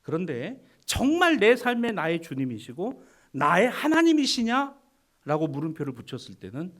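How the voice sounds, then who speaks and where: A male pastor preaching a sermon, animated and teasing, with sudden drops to a hush. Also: sits high, moderate pace. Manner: animated preaching, swings from loud to hushed, teasing the congregation.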